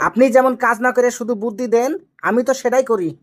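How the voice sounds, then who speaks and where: A man's voice: extremely high pitch, fairly even intonation, fast. A young man with a Rajshahi Bangladeshi accent playing a boastful, cheeky village son-in-law in a comedy cartoon. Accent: Rajshahi Bangladeshi Bengali. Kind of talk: amateur cartoon comedy dialogue.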